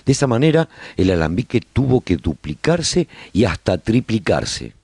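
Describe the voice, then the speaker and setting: Deep, gravelly male storyteller. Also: sing-song, moderate pace, a little mellow, no echo, heavily acted. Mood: reflective storytelling. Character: male survivor chronicling life in a post-apocalyptic colony. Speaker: narrator of a radio serial. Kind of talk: scripted first-person narration, radio drama.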